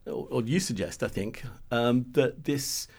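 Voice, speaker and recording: A man's voice: medium pitch, a little slow, a little mellow, slightly rough. Tentative man asking questions. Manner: tentative, thoughtful questioning with hedges. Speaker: interviewer, editor. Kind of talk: conversational interview.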